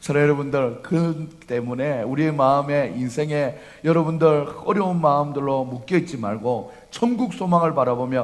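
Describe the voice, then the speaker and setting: Audible room echo and noticeable background noise surround a man's voice. His pitch is fairly high, his intonation lively, and his pace moderate. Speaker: pastor. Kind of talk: sermon.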